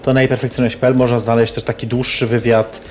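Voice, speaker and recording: A man's voice: medium pitch, flat delivery, fast, a little mellow, a little hiss or hum. A man hosting a talk show in a casual, chatty, playful and teasing way.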